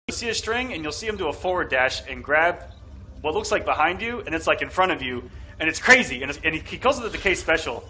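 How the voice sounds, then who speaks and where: Male play-by-play caster, bright and forceful, fairly high, excitable tournament calls. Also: a little hiss or hum. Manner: excitable play-by-play, yells on big hits. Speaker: esports commentator. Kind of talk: fighting game play-by-play.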